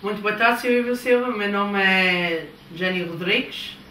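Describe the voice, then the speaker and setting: A woman in her thirties from Canada, answering interview questions with eager, halting replies in a living room. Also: mid-range voice, sharp tone. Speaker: interview guest. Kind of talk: casual TV interview. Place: living room of a house, indoors. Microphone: handheld microphone held by interviewer. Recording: roomy, distant, faint background noise.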